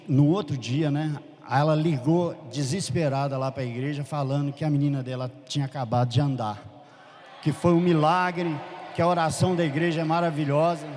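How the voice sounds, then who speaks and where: A man giving a testimony at a church meeting, telling his story with lively quoted dialogue and fervent feeling. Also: mid-range voice. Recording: long hall reverb.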